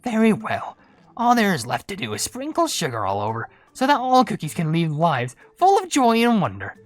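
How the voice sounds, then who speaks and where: A woman voicing a grand enchantress cookie in a video game cutscene, with drawn-out, magnanimous delivery. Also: lowish voice, huge pitch swings. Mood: sweet, joyful. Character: regal dark enchantress cookie, sweetly magnanimous in a dream. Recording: game audio with music behind.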